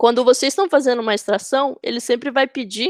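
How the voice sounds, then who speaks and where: A woman speaks at a moderate pace in a high pitch, the sound dry and close with no echo. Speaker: data analytics workshop instructor. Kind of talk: online tutorial workshop. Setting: online live workshop. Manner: casual, conversational.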